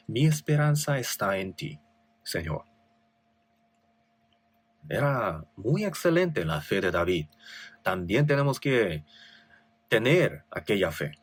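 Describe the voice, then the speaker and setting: A man's voice: medium pitch, a bit bright, no room sound. A male pastor with a Korean accent preaching a sermon, reading scripture with rising emphasis and asking rhetorical questions.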